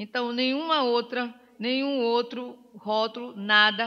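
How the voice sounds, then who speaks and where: The woman's voice has a bright, sharp tone. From Northeast Brazil. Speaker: spiritist lecturer. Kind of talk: spiritual talk.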